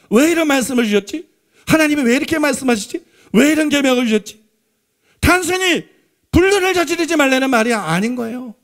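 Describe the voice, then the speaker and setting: A man's voice: very high-pitched, a bit bright. A male pastor preaching a Sunday sermon in a church. He is emphatic, repeats his points and keeps asking the congregation rhetorical questions. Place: church sanctuary.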